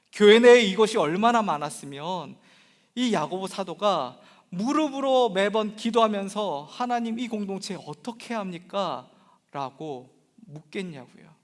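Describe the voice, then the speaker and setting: Speaking fairly slowly, a man with a high voice uses lively intonation and big swings in loudness, on a very clean recording with a silent background. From South Korea, Busan then Seoul. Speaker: pastor. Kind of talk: sermon.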